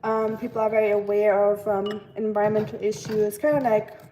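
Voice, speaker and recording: A woman's voice: medium pitch, flat delivery, fairly quick, noisy background. A young woman with a German accent from the Black Forest, hosting a live stream and chatting casually with viewers while she cooks, with many ums and likes. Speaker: livestream host. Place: home kitchen in the US.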